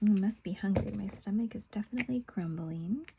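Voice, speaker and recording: A woman's voice: mid-range voice, a little fast, warm tone, a little hiss or hum. A woman casually talking through what she is doing as a craft video host, trailing off into murmurs as she concentrates. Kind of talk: casual plan-with-me chat, narrating while working.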